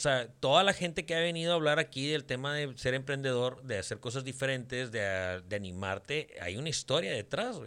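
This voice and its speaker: Here a man speaks at a medium pitch with lively intonation and a bright, sharp tone. The recording is very clean, with a silent background. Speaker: podcast host. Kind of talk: casual chat.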